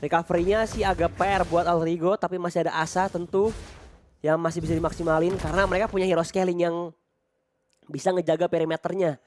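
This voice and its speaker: A man's voice: high voice, flat delivery, fast. Emphatic Indonesian male fighting game style announcer. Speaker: esports match commentator. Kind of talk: excited play-by-play game commentary, fighting game announcer manner.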